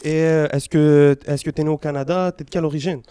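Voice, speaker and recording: A man interviewing a young rapper, asking easygoing, halting questions. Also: a little high, steady tone, dark tone, clean tone, dry recording. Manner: easygoing, hesitant questions with fillers.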